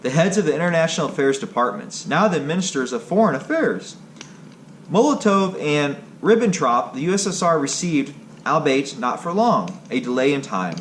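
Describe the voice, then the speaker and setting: Male history narrator, slightly high register, animated intonation, halting read, faint background noise. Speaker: video creator and narrator. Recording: clearly noisy background ambience.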